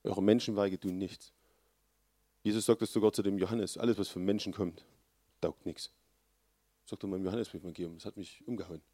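A man preaching a sermon, with earnest, loud emphasis that drops to low, quiet lines. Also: fairly even intonation, fast, dry recording.

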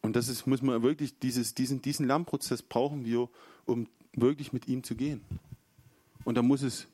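A man's voice: medium pitch, fairly even intonation, moderate pace, a little mellow, no room sound. A man preaching an informal sermon, chatty and storytelling, acting out quotes along the way.

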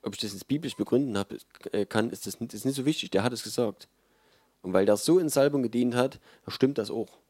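A man's voice: mid-range voice, quick pace, few pauses, darkish tone, no room sound. A man giving a sermon in a conversational, emphatic way, with frequent fillers. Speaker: preacher.

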